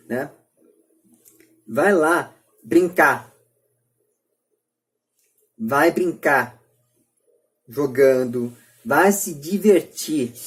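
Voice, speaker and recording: A Brazilian man hosting a podcast, giving opinions emphatically with repeated phrases and rhetorical questions. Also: on the high side. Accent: Brazilian Portuguese. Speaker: podcast host.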